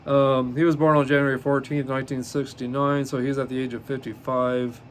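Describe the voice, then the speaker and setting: A middle-pitched man in his fifties hosts a casual solo podcast and reads his notes aloud. He hesitates often, fills gaps with ums and uhs, and corrects himself as he goes. A faint hiss of noise sits behind his voice. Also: level tone. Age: 50s. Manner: halting, many ums and uhs, self-correcting. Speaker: podcast host.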